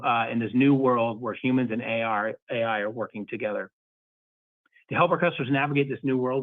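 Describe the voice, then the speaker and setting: A male company executive delivers prepared remarks for an earnings call. His voice sits at a medium pitch, and his delivery is formal and measured. The sound is thin and band-limited like a telephone conference line, with no room reverb. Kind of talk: scripted earnings call presentation. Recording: phone-like narrowband conference call audio.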